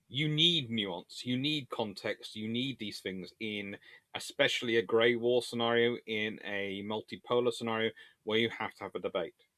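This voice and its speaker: In a dry recording, a man with a medium-pitched voice that sounds pushed and bright hosts a relaxed history explainer and viewer Q&A. As a naval history video host, he argues his way through debates with an emphatic, wandering style.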